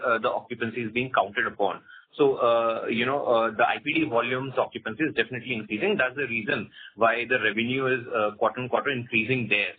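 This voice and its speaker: A man's voice: mid-range voice, slight background noise. A man with an Indian accent speaking assertively as a company executive answering questions on an earnings call, with frequent "you know". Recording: muffled narrow phone conference line.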